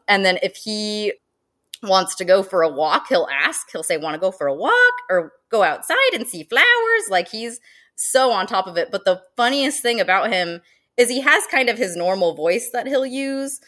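A woman who works as a zoo animal educator, chatting casually in an interview, animated and laughing often. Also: medium pitch. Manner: animated, laughing, with quick excited quoted asides.

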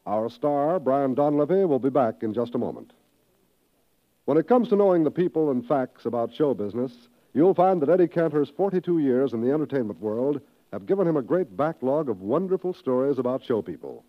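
A man's voice: mid-range voice, expressive, brisk. A man with an American accent announcing formally in the style of 1950s network radio. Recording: dull old radio recording.

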